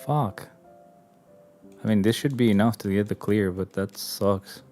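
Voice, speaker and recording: Slow-talking man streamer muttering at a game. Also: on the low side, a little mellow, faint music behind. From Albania. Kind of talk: casual gameplay chat.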